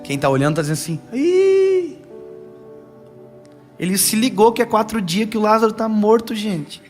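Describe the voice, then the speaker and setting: Man, young adult, Brazilian Portuguese accent, pastor, sermon, animated storytelling, high-pitched. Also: fast talker, soft background music. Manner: animated storytelling, acting out quotes.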